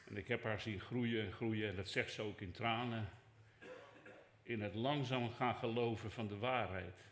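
An older man preaching a sermon as pastor, conversational, dropping to soft asides and rising for emphasis. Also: fairly low pitch, fairly even intonation, normal speed. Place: church hall. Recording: echoey church hall.

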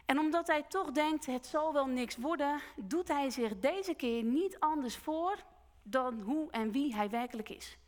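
A woman preacher giving a sermon, retelling a story slowly and earnestly and voicing its characters along the way. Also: sits high, lively intonation. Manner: slow, earnest retelling with quoted voices. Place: church hall. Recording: long church hall reverb.

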